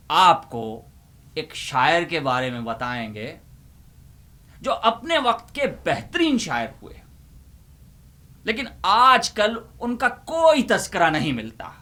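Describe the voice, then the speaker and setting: A man playing a theatrical, easily exasperated old uncle librarian who presents and recites comic poetry in a declamatory way with deliberate pauses. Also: fairly high pitch, sharp tone. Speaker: host.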